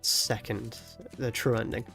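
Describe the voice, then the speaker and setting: A young man with a heavy cold talks through a live stream, his voice nasal and blocked up with a gravelly fry underneath. He keeps his volume down and the energy low, laughing quietly and swearing at the game, while faint game music plays behind him. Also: little pitch movement, a little slow. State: stuffy nose from a cold. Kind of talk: casual live-stream chat while playing.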